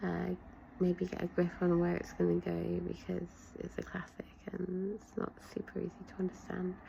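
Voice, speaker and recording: Noticeable background noise sits under speech at a moderate pace with big swings in loudness. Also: woman. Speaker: book vlogger. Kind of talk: casual chat. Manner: hesitant, many fillers.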